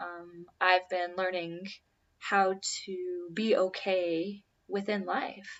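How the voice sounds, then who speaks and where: Medium-pitched female speech with fairly even intonation. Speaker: energy healer and meditation guide. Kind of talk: guided meditation talk. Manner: fast; hesitant with fillers.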